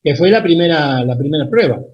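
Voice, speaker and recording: A man with a Rioplatense Spanish accent tells an anecdote in a casual interview and voices the people in his story. His voice is a little high for a man. The recording sounds dull and lo-fi. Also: lively intonation, fairly quick. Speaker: guest engineer.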